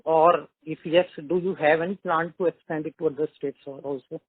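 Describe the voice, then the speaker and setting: A man's voice: a little high, fairly even intonation, fairly quick, husky. A man with an Indian accent, an individual investor putting questions on a conference call. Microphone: phone handset. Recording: narrow, tinny phone line.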